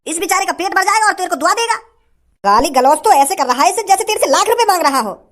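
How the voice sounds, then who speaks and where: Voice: very high-pitched, lively intonation, fast talker, fairly bright tone. A performer voicing a brash, generous young rich man in a comedy skit, lecturing and boastful. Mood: scolding.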